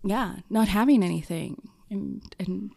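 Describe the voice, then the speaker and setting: Woman, sweet animated-princess voice, blunt and sweary podcast guest in casual chat, dry close sound. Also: medium pitch, unhurried, gravelly, no echo.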